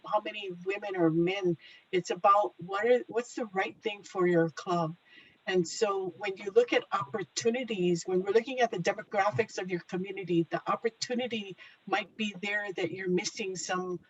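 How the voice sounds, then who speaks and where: A woman's voice: mid-range voice, slightly rough. Woman, meeting chair, upbeat, explaining, dull lo-fi audio. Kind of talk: leading a video meeting.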